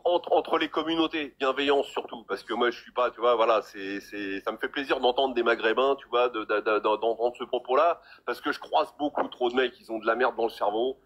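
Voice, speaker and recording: A man in his fifties talks in a loose, rambling way. He trips over his words and repeats them while getting a point across. His voice sits at an ordinary middle pitch. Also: brisk, few pauses, a bit bright. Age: 50s. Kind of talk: casual talk on a live stream.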